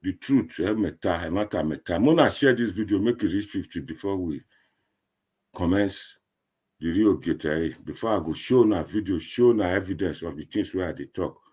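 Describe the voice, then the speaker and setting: Deep, husky Nigerian Pidgin-speaking man. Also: expressive, normal speed, a little mellow. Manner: repetitive, emphatic, rambling. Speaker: online political commentator. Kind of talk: informal Nigerian Pidgin commentary to online viewers.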